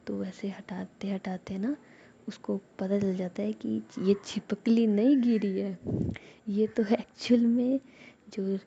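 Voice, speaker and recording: A woman's voice: mid-range voice, fairly even intonation, slow pace, creaky, mellow, dull audio, a little hiss or hum. A woman narrating a love story in a whispered role-play style, rambling with many fillers.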